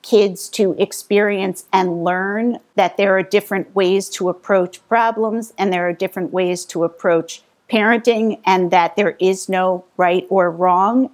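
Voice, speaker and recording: A woman guest in an interview, explaining her ideas in a measured, thoughtful way. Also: medium pitch. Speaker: author and psychologist guest. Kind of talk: conversational interview.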